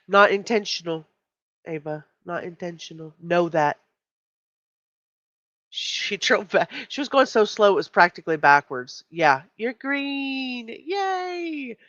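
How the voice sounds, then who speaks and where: A woman's voice: mid-range voice, big pitch swings, slow pace, a bit bright, no echo. A woman hosting a casual livestream, chatty and emphatic, with a stuffy nose. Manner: chatty, reacts to chat, emphatic. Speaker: livestream host. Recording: dull lo-fi stream audio.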